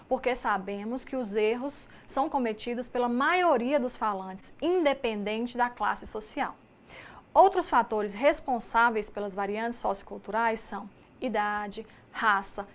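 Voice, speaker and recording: A woman with a Mineiro Brazilian accent, a teacher giving a recorded distance-learning lecture in a measured, explanatory way, reading lists item by item. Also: fairly high pitch. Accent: Mineiro Brazilian Portuguese. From Minas Gerais, Brazil.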